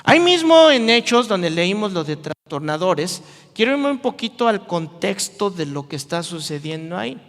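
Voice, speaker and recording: Male pastor, high voice, animated and jokey, with long reverb from a large hall. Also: moderate pace. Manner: animated, jokey, playful asides to the crowd. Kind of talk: lively youth sermon with acted-out voices.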